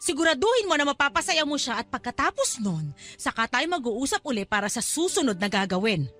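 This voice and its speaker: A woman's voice: sits high, big pitch swings, a little fast, fairly bright tone, faint music behind. An actress playing a scheming middle-aged mother in a radio drama, coaxing and insistent as she persuades her daughter.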